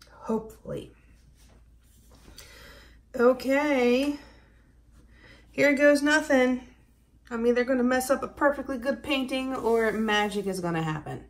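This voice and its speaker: A woman with a Baltimore accent casually narrates a craft demonstration, thinking aloud in a hesitant, self-deprecating way. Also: fairly high pitch. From Baltimore, United States. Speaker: host demonstrating acrylic pouring.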